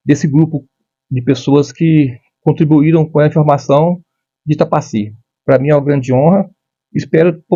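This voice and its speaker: A man's voice: medium pitch, warm tone, no room sound, highs cut off. A man in his fifties from Brazil, a retired military police major, speaking formally and with frequent restarts as an interview guest. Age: 50s. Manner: measured, formal, with many restarts. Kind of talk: conversational interview.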